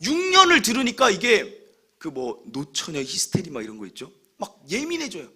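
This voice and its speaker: Male pastor in his 30s giving a sermon, bright tense voice, bit husky, funny storytelling. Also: sits high, normal speed. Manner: animated, humorous storytelling; acts out other people's remarks.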